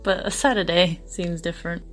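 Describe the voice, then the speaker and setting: A woman's voice: lowish voice, steady tone, moderate pace, fairly bright tone, faint music behind. A woman bantering coyly on a podcast, laughing often as she teases back. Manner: coy, laughing. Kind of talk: casual flirty banter.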